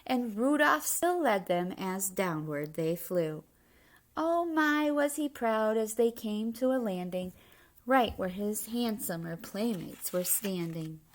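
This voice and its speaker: A woman with a fairly high voice reads a children's book aloud at a slow, careful pace. Her delivery is expressive and emphatic, leaning into the rhymes as a storyteller would for young listeners. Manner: animated, emphatic rhyming delivery. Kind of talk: expressive children's read-aloud with explanatory asides.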